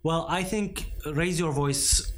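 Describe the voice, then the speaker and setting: A man answering interview questions about his media program, halting and searching for words. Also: on the high side, a bit bright.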